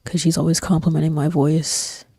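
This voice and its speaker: Soft-spoken low-voiced woman streamer. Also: normal speed, dry recording, studio quality. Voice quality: soft-spoken, breathy near-whisper. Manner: rambling, relaxed, frequent fillers and slang. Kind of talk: casual chat while gaming. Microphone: desk microphone.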